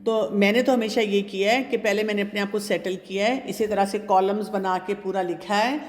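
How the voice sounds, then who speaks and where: Calm woman advising in a hall. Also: mid-range voice. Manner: calm, advising, addresses listeners directly. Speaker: speaker answering audience questions. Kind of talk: talk on parenting and faith.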